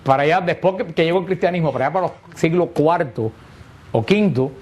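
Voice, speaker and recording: A man's voice: a little high, brisk, a little mellow. A man teaching a catechesis lesson to a group, explaining step by step and posing rhetorical questions that he answers himself.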